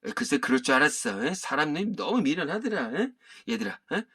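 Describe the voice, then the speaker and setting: A rough-spoken older father who snaps and scolds his children, as a man reads him out. He sounds a little higher than most men's voices, and his pitch moves around a lot as he barks his orders. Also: sing-song, fairly quick, pushed and bright, exaggerated voice. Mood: scolding. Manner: scolding, rough old-fashioned talk. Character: gruff older father, a swindler's scheming accomplice.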